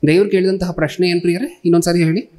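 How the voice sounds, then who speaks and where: A man delivers a sermon in a slightly high voice. He keeps turning to his listeners with rhetorical questions and slows down to read scripture aloud. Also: steady tone, a little mellow. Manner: reads scripture slowly. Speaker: preacher.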